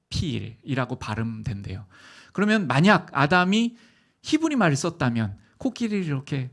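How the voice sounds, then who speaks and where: A man preaching a sermon as pastor, telling stories with animated, acted-out voices. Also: fairly high pitch. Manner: animated storytelling, acting out voices. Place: church sanctuary.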